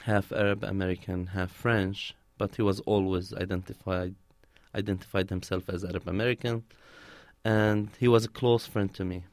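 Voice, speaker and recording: Low-voiced man, close dry sound. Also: little pitch movement, moderate pace, a little mellow, no room sound. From Palestine. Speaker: interviewee, community organizer. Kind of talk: conversational interview answers, telling personal stories.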